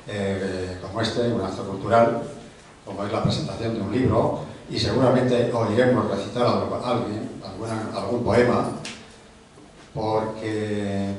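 A middle-aged man at a panel table introducing an author at a book launch. He works through a long biography in measured lists, with small hesitations and restarts. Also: on the low side, far from the mic, a little hiss or hum. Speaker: event host presenting an author. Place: large conference room, seated at a panel table. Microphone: table microphone. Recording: very echoey hall, voice from off-mic.

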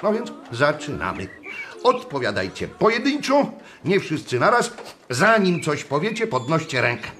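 A pedantic, strict schoolteacher in a radio play. His voice is high and sharp and leaps wildly in pitch as he lectures with callous pomposity. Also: very animated, moderate pace, slight background noise. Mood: fussy, calm lecturing. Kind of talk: radio drama acting.

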